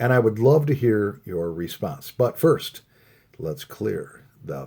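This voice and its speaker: A man speaks very slowly in a relaxed, dark and mellow tone, his pitch swinging very widely. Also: medium pitch for a man. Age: 50s. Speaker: pipe smoking YouTuber. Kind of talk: casual chat. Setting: home. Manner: relaxed, hesitant with fillers.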